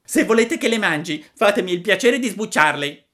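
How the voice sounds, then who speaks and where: A man's voice: sits high, expressive, moderate pace, pushed and bright, pitched above the performer's own voice. A man voicing a cheeky, whining wooden puppet boy who sobs and pleads. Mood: fussy. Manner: whiny, sobbing, pleading.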